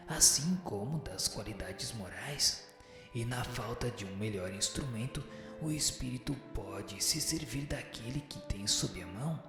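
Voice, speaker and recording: An actor playing a solemn, learned spirit with a breathy voice, giving formal, measured, didactic answers in a radio drama, through cavernous reverb. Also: mid-range voice. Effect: long cavernous reverb. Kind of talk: scripted radio drama reading. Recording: heavy echo and long reverb. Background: music.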